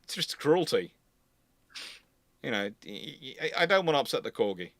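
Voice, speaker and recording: Male streamer, bright voice in a dry space, informal and digressive. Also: medium pitch, sing-song, moderate pace, vocal fry, dry recording. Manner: rambling, digressive. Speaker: live stream host. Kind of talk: casual livestream chat.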